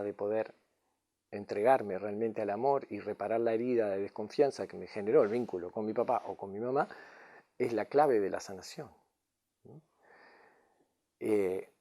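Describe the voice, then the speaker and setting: A man's voice: medium pitch, warm tone. A man teaching as a spiritual guide and therapist in a reflective talk, often checking in with a questioning "mm?" or "no?". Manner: tags lines with questioning "mm?" and "no?" to check understanding.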